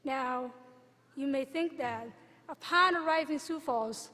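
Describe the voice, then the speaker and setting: A young woman from Somalia giving a graduation speech as the student commencement speaker, in an earnest, measured way with deliberate pauses. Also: high voice, sharp tone. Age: young adult. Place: large hall. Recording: long reverb of a big hall.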